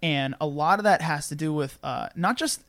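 A man's voice: a little high, moderate pace, fairly bright tone, no room sound. A man hosting a podcast in casual chat, swearing freely and laughing as he tells stories. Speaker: podcast host.

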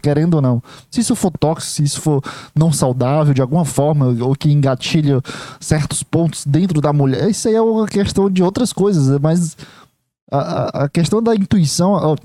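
A man's voice: on the high side, warm tone, no echo. A young man with a Brazilian accent giving a rambling casual opinion monologue, full of restarts and fillers. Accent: Brazilian Portuguese. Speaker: commentator.

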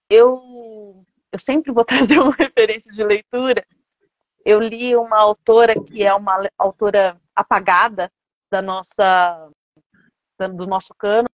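A Brazilian woman author speaking conversationally and earnestly in an interview, explaining her ideas and often checking in with short tags. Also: mid-range voice. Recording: echoey room, dull lo-fi audio.

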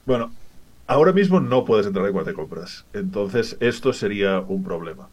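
A man from Barcelona, with a Spanish accent tinged with Mexican, speaking as a guest in a radio interview and explaining his project in a lively, chatty way. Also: lowish voice, normal speed, a crowd in the background. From Barcelona, Spain. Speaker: guest, director of a data project. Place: remote from another city, away from the studio.

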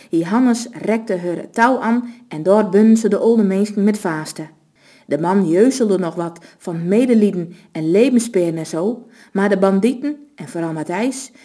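Mellow-voiced woman reading a story. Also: mid-range voice. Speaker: narrator.

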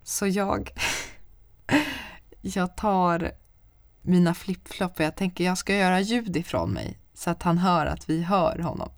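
A young woman chatting casually, telling a story in a lively way and swearing often. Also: lowish voice, no echo, clean studio sound.

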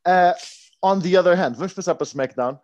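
A man's voice: high voice, a little fast, darkish tone, no echo, highs cut off. A young man chatting casually as a podcast co-host, slangy and mixing in English words and swearing. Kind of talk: casual chat.

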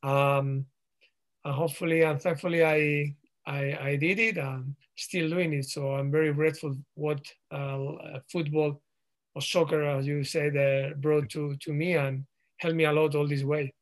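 A man in his thirties from Spain with a Spanish accent, answering interview questions in English with frequent pauses and restarts. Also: fairly high pitch, level tone. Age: 30s. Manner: halting, frequent ums and restarts. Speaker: guest, professional footballer.

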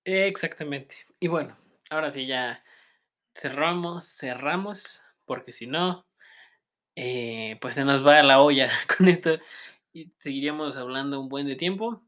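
Giggly Mexican podcast co-host. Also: male voice, mid-range voice, fairly bright tone. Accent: Mexican Spanish. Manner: laughs often, halting with many fillers and restarts. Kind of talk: casual chat.

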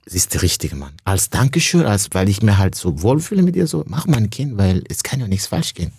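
A young adult man from Burundi, a stand-up comedian, talking casually and emotionally as a podcast guest, slangy and full of halting restarts. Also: on the low side, very animated, vocal fry, a little mellow, slightly rough, no room sound, studio quality. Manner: slangy, says "bro" often, halting restarts.

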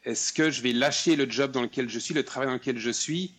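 A man's voice: mid-range voice, fairly quick. A man with a Swiss French accent from Geneva, a podcast guest chatting casually and hesitantly, with many restarts. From Switzerland. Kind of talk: casual interview chat.

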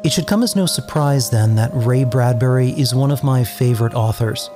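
A man's voice: mid-range voice, moderate pace, music in the background. An American man in his forties from New England, narrating a scripted introduction as showrunner in a theatrical, lyrical storytelling manner. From New England, United States.

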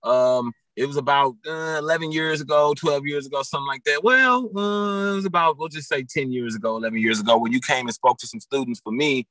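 A man's voice: medium pitch, brisk, hardly any pauses, pushed and bright, no room sound, poor audio. A man in his thirties, a guest and football coach, talking casually on a podcast with many fillers and restarts. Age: 30s.

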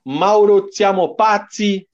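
A man's voice: sits high, slow pace, muffled recording. A Brazilian man co-hosting a casual sports podcast, reading standings and listener comments with a joking tone. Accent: Brazilian Portuguese. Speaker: podcast co-host.

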